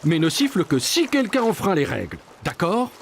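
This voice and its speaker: A man's voice: high voice, very animated, normal speed, slight background noise. A man playing a kindly, patient and encouraging father or grandfather in a French children's cartoon. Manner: patient, reassuring, explaining simply.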